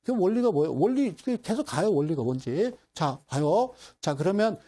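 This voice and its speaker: A middle-aged man giving a broadcast stock lecture, telling stories in an animated, repetitive way and addressing viewers directly. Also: sits high, normal speed.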